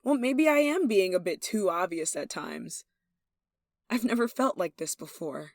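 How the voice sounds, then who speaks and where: A woman's voice: mid-range voice, animated, a little slow, dry recording. Lovestruck royal heir, close and dry played by a woman. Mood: tender, infatuated. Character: lovestruck, possessive young royal heir, playful and commanding. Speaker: voice actor in an audio roleplay. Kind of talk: intimate ASMR roleplay acting.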